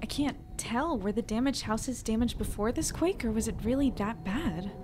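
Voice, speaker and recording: A woman's voice: a little high, moderate pace, background noise, lightly acted. A woman playing a level-headed, caring newcomer, questioning and reassuring, in an audio drama. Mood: concerned.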